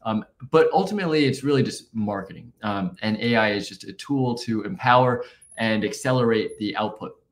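A man answering interview questions in a relaxed, conversational way with frequent fillers. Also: lowish voice, moderate pace. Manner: relaxed, many fillers and restarts. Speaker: guest, marketing founder.

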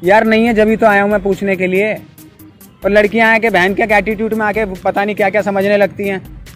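A man's voice: sits high, flat delivery, fairly quick, fairly bright tone, soft background music. A young man hosting a prank video in a park, chatting casually and coaxing with constant "yaar". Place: outdoor park.

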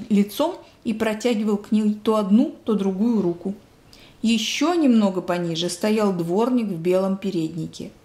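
A woman reading a children's book aloud in a lively storytelling manner, in a roomy space. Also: medium pitch. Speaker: reader. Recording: roomy echo.

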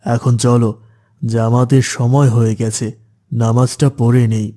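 A man voicing a calm, instructive male religious teacher in a cartoon. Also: mid-range voice, a little slow, lightly acted.

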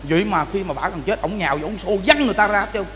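A man's voice: high-pitched, very fast. A man with a Southern Vietnamese accent preaching a Buddhist sermon in a temple hall, telling stories with lots of repeated words and frequent calls to the audience. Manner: animated storytelling, repeats words, addresses the audience often. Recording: reverberant hall with faint noise.

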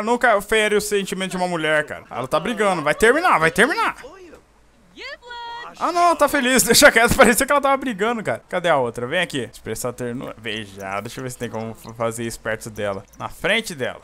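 Excitable young Brazilian man, lively pitch. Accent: Brazilian Portuguese. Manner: excitable, jokey, talks to the game characters. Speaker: gameplay commentator. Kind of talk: casual let's play commentary.

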